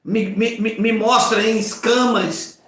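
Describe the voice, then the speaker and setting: A man's voice: high-pitched, slow pace. A man in his fifties preaching an informal sermon, acting out voices and jokes. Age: 50s. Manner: animated, acts out voices and jokes. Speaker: pastor. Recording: very echoey room.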